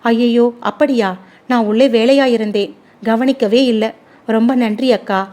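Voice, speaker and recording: A woman's voice: on the high side, fairly even intonation, measured pace, darkish tone, close to an everyday voice. A woman voicing a kind, talkative young neighbor woman who speaks earnestly and pleads. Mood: urgent. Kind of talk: storybook dialogue.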